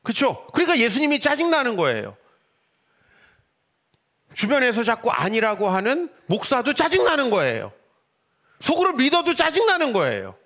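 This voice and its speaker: Lively high-voiced male pastor preaching. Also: moderate pace, long pauses. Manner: animated, rhetorical questions, acts out quoted voices. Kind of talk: sermon.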